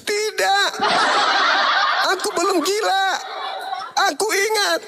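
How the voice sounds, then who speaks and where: A man voicing an indignant mother who scolds her grown son in a reproachful, laughing falsetto. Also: fairly even intonation, takes it slowly, creaky, a loud crowd, full character voice. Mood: scolding. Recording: loud background noise.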